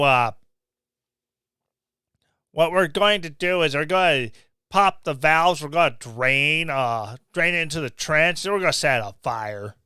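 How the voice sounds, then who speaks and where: Slow, sarcastic middle-aged man ranting. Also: sits high, sharp tone, smooth, dry recording, clean studio sound. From Missouri, USA. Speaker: podcast host. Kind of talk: opinion commentary. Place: small home room. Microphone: studio mic on stand, close.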